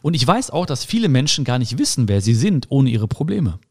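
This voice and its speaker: Lively-voiced man musing to the listener. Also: medium pitch, brisk, husky. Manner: reflective, talks straight to the listener, acts out little dialogues. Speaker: podcast host. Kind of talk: casual advice monologue.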